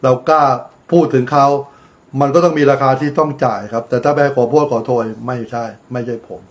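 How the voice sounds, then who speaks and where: A middle-aged man with a medium-pitched voice talks fairly quickly in casual political commentary on his own channel. Blunt and crude, he swears freely and slips into a preachy, lecturing tone of advice-giving.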